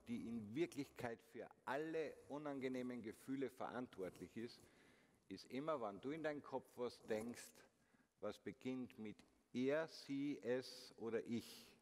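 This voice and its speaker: A man's voice: medium pitch, darkish tone. A man giving a motivational conference talk, speaking to the audience directly and using frequent rhetorical questions. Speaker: keynote speaker. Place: large concert hall stage. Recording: long hall reverb, faint noise.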